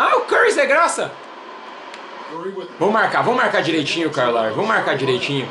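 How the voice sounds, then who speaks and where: The speech comes at a moderate pace, with noticeable background noise. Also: man. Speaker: gaming youtuber. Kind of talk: casual vlog chat then game commentary. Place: home room. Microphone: phone near.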